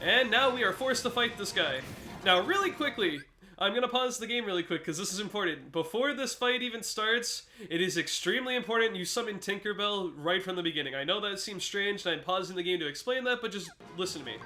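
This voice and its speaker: Faint music plays behind a congested man whose high-pitched voice sounds animated, brisk, pushed and bright. In his let's play commentary, the gaming commentator explains a boss fight to viewers one step at a time.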